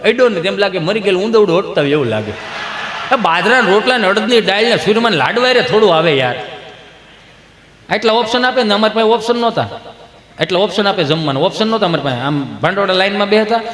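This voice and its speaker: A male stand-up comedian spins folk stories in an animated way, jumping into shrill voices for the characters. His voice sits high. The sound is roomy with a long hall reverb and faint ambience. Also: a little hiss or hum. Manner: animated joke-telling, jumping into high-pitched voices for mothers and children. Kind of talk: Gujarati folk comedy storytelling on stage. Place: large hall before a live audience.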